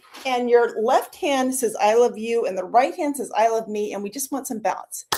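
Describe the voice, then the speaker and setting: Against noticeable background noise, a woman talks in an animated tone. Her pitch is high, with ordinary pitch variation. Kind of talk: live sales pitch. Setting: livestream video. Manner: fast.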